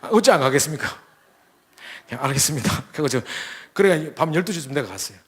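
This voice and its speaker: Man, young, sermon storytelling, rapid delivery, fairly high voice. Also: slightly rough. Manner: fast, animated storytelling with restarts and quoted dialogue. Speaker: preacher at a church training camp. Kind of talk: sermon with acted-out stories.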